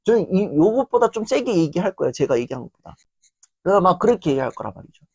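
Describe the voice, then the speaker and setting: Animated Korean woman giving a lecture. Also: on the low side, fast, gravelly, breathy edge, dry recording, dull audio. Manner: animated, acts out quoted lines. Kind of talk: motivational lecture.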